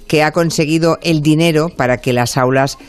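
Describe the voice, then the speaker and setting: A radio presenter who introduces stories and reads out listener messages in a lively, conversational way. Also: female voice, low voice, moderate pace. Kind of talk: radio show hosting.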